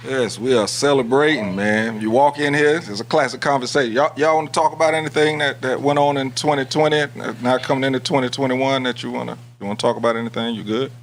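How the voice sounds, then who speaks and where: A man's voice: medium pitch, fairly even intonation, fast, few pauses, a little hiss or hum. A man hosting a casual talk show, hyping up his guests in slangy talk. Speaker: host. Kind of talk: casual chat.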